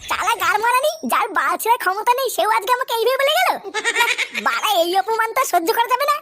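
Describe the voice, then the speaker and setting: A man's voice: extremely high pitch, lively intonation, quick pace, noisy background. A man voicing a cheeky, foul-mouthed village boy in a comic cartoon dub, brash and whining. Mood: indignant, scheming.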